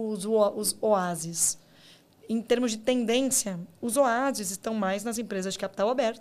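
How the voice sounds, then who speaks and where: A woman speaks in a plain, everyday voice with ordinary pitch variation. The recording is very clean, with a silent background. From Brazil, Guarulhos (São Paulo state). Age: 30s. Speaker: entrepreneur and company founder. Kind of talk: interview.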